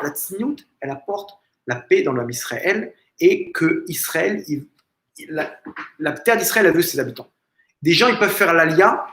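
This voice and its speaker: A rabbi with a higher-pitched male voice gives an informal religious lesson in a family home, sounding pushed and bright. He is emphatic, leans on rhetorical questions and repeated phrases, and often restarts or stumbles. The room is echoey.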